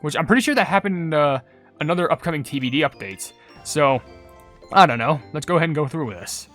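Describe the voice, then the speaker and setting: Gaming youtuber chatting over some music, rambly, middle pitch, keeps fixing what they said. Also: lively intonation, fast talker, a bit bright. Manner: rambling, filler-heavy, trailing off and correcting self. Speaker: video creator and host. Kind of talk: casual gaming commentary over cutscenes.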